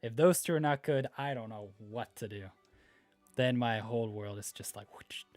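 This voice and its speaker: A man's voice: mid-range voice, moderate pace, a little mellow, dry recording, faint music behind. A man from Norway with a Norwegian accent, hosting a gaming livestream in laid-back, rambling chat while reading viewer comments. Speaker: livestream host.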